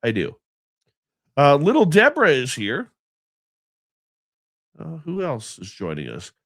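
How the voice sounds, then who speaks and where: A man with a stuffy, congested nose hosts a live radio stream early in the morning, sounding sleepy and loose. His pitch swings widely as he rambles and greets viewers by name. The sound is dry and close, with no room echo. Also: wildly swooping pitch, measured pace, a bit bright. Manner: rambling, chatty, affectionate with viewers. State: sleepy, just woken up. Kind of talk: casual live show chat, reading out chat names.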